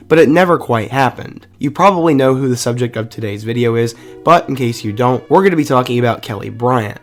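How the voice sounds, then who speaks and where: A man hosting a sports video channel, reading a scripted narration in an upbeat, conversational fan tone while getting over the flu. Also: mid-range voice. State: recovering from the flu. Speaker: YouTube sports video host.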